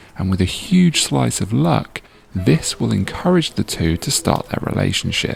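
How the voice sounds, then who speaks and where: The speaker moves at a moderate pace with very wide pitch swings. Noticeable background noise runs underneath. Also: man. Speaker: terrarium builder and frog keeper. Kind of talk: narrated video voiceover.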